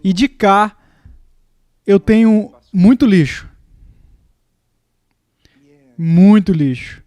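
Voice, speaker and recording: A man with a notably high voice delivers a dubbed sermon. He speaks emphatically, leaning on pauses and repeated words. The sound is close and dry. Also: mellow, no echo, lo-fi sound. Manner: emphatic, with deliberate pauses and repetition. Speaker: preacher's voice in a dub.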